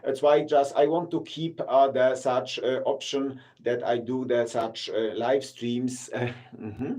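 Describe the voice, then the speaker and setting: Brief: Polish male guide, mid-pitched voice, chatty live-stream host, non-native English, hesitant with lots of fillers. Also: flat delivery, darkish tone. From Poland. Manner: halting, many fillers and restarts, non-native grammar. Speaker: city tour guide and vlogger. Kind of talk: casual live-stream chat with viewers.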